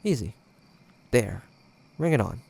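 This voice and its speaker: Casting: male actor as teasing young ex in intimate audio roleplay; swooping intonation, unhurried delivery, casual banter. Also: medium pitch, sing-song, vocal fry, darkish tone, slightly rough, heavily acted. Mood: playful. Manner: teasing, hesitant, casual banter with trailing pauses. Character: playful teasing young man, nostalgic ex-boyfriend in treehouse.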